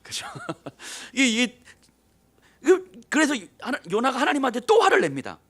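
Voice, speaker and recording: A male pastor preaching a sermon, retelling a story in an animated, conversational way and asking his congregation questions. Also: extremely high pitch, a little slow.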